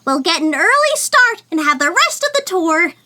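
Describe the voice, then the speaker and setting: A woman's voice: very high voice, sing-song, normal speed, sharp tone, slight background noise, exaggerated voice. A woman voicing an upbeat, sensible young female monkey tour guide in a fan audio drama. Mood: cheerful.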